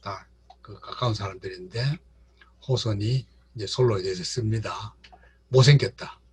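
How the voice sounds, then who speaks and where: A man's voice: on the low side, normal speed, slightly rough. A man lecturing on literature to a class, repeating words and speaking straight to his listeners. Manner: repeats words and addresses the audience directly.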